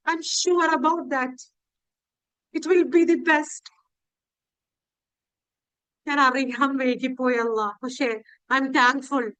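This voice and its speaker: Female guide for prayerful meditation: high, clear, smooth voice, pleading and devotional. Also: bright, forceful tone, no room sound, low-quality recording. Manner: slow, pleading, devotional delivery with drawn-out phrases and pauses.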